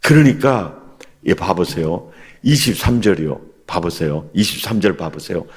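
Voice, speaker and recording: A man preaching a revival sermon as pastor, animated and asking the congregation questions. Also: low voice, normal speed, husky. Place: church sanctuary. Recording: long hall reverb in church.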